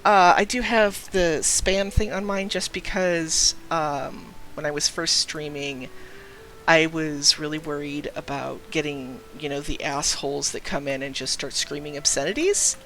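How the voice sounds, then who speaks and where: Chatting casually on his game stream, a young trans man with a light, youthful-sounding voice rambles through stories, laughs a lot, and stops to greet viewers. He speaks at a measured pace with fairly even intonation in a slightly high, fairly bright voice over slight background noise.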